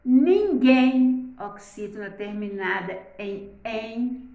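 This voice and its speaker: A woman teacher giving a grammar lesson, reading words slowly and stretching their stressed syllables, often asking "né?". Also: on the high side, lively intonation, roomy sound, phone-quality sound. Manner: uses the diminutive "palavrinha" and "né?". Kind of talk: slow, careful grammar lesson.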